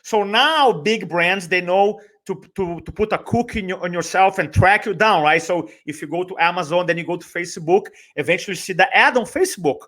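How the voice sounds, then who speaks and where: A man's voice: high-pitched, brisk, few pauses, fairly bright tone. A middle-aged man from Brazil with a Brazilian accent, talking conversationally and motivationally as a guest, with emphatic repetition and rhetorical questions. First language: Portuguese. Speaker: guest, speaker trainer and business owner.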